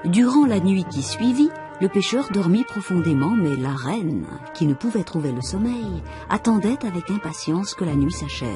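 A narrator reading a fairy tale in an expressive, measured storytelling style. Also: mid-range voice. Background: music.

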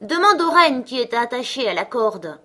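A pair of cooing forest wood pigeons, put on by a woman narrator in a storybook. They speak in a sing-song way, pitched high above her usual voice. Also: very animated, moderate pace, pushed and bright, full character voice.

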